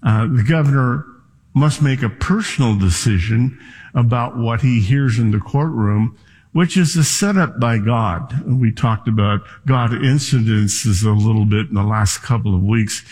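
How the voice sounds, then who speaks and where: A man delivering a Sunday sermon as pastor, explaining scripture in a conversational way with frequent pauses and fillers. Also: medium pitch, darkish tone, in a large hall. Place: church sanctuary.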